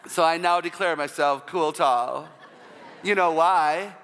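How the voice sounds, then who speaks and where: A woman with a low voice, often taken for a man's, giving an inspirational church talk full of humorous personal stories and call-outs to the audience. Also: takes it slowly, fairly bright tone, big-room sound, a faint crowd.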